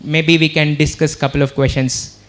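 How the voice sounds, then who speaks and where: In a university auditorium, a man with an Indian English accent gives an earnest motivational talk to students, keeping them engaged by constantly throwing questions back to the audience. His voice is on the high side and fairly bright, with a flat delivery at normal speed.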